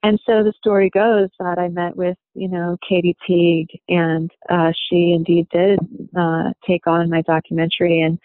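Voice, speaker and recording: A woman telling a personal story in an interview, reflective and halting, often pausing with "you know.". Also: on the low side, flat delivery, dry recording. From United States. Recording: dry, tinny phone-like sound.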